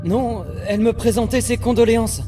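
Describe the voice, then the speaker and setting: A man plays a nervous young underling in a high, pushed-up voice. He sounds defensive and pleading, set back from the microphone with music behind him. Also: steady tone, brisk, recorded from a distance.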